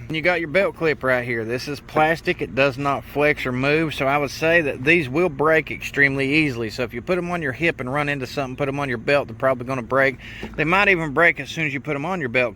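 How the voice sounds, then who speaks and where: A man's voice: medium pitch, pushed and bright, a little hiss or hum. A man giving a casual hands-on product review in a plain-spoken, folksy, rambling way.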